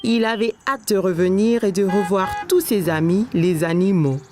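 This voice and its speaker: A woman's voice: medium pitch, normal speed, darkish tone, soft background music. A woman narrator reading a scripted children's story expressively, as if to small children.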